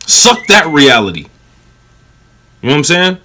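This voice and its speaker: A man's voice: on the high side, big pitch swings, normal speed, bright, forceful tone, slight background noise. A man hosting a reaction video, cutting into a clip with blunt, profane and sarcastic commentary.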